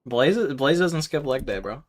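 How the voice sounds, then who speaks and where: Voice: mid-range voice, expressive, moderate pace. A game streamer giving casual live commentary in a slangy, teasing way.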